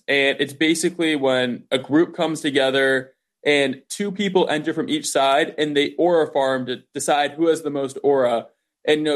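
Young american guy chatting in an interview, bit high voice, says like a lot, slangy. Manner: informal, youthful slang, frequent "like". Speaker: interview guest, event host. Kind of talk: casual interview answers.

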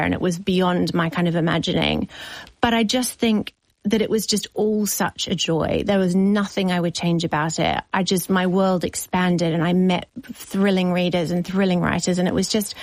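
A woman's voice: fairly low pitch, steady tone, moderate pace, no echo, low-quality recording. A woman, a novelist talking in a reflective radio interview, effusive and thinking aloud with many asides. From New Zealand.

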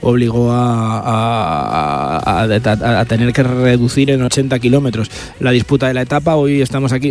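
A man's voice: mid-range voice, a little mellow. Man giving a fluent cycling report. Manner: fluent, detailed race reporting. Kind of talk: live sports report.

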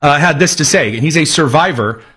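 A man's voice: fairly high pitch, animated, fairly quick, bright, forceful tone, slightly rough. A man from Indiana hosting political commentary, mocking and sarcastic, with jokey asides. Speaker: commentary host.

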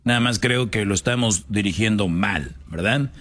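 A man's voice: lowish voice, moderate pace, a bit bright. A man with a Mexican accent giving casual commentary as a show host, slangy and lecturing, with hesitant restarts.

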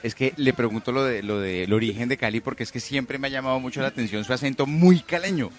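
A man's voice: medium pitch, fast. A man hosting a live morning radio show from an outdoor plaza, teasing his guest in a joking, informal way. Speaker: radio host.

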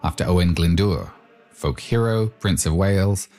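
A man's voice: sits low, a little slow, a little mellow. A man presenting and narrating a radio-style feature, also asking the interview questions.

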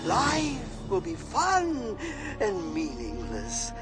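A man's voice: high voice, huge pitch swings, drawn-out words, loud music behind the voice, exaggerated voice. An actor playing a gloating male villain, a wrestling manager turned mad scientist, with a theatrical, cackling delivery. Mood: broadcasting. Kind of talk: comedy audio drama.

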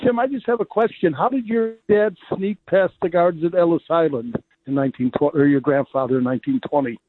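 A man calling into a radio show with a raspy voice, pressing a challenging question. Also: on the high side, fairly quick, dry recording. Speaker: caller. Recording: tinny phone line.

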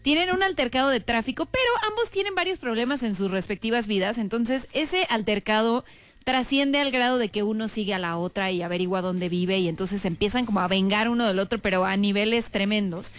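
A woman hosting a casual chat, presenting recommendations with expressive reactions. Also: medium pitch, a little fast, no echo. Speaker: podcast host.

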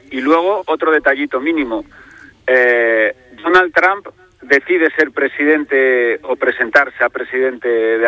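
A man's voice: mid-range voice, no room sound, highs cut off. A man with an accent from Spain giving his opinion in a sports debate, emphatic and repeating phrases for effect. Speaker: football pundit.

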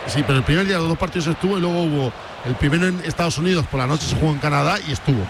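A man's voice: on the high side, racing. A man from as co-commentator on a football broadcast, laying out player and club details at length. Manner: detailed, fact-heavy explanations. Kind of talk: football analysis on air. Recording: noisy broadcast with background hum.

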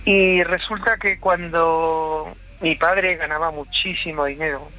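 A man from Chile calling in to a late-night radio show, telling a family story in a halting, reflective way. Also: a little high, steady tone, bright, forceful tone, soft background music, low-quality recording. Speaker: caller.

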